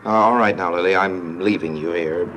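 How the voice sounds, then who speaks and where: A wisecracking crook, real low voice, dry and sarcastic, old 1950s radio show. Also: male voice, normal speed, a bit bright, slight background noise, rough recording. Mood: wry, weary. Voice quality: dry, sardonic, clipped. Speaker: lead and narrator. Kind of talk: 1950s radio drama acting.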